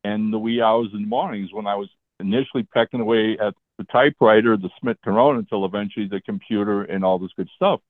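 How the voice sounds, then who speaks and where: A man's voice: lowish voice, fairly even intonation, fast, few pauses, no echo. Chatty seventy-something man on a tinny phone line. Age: 70s. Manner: chatty, often checks in with "all right?" and "okay?". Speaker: guest, comic book writer. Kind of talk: casual interview storytelling.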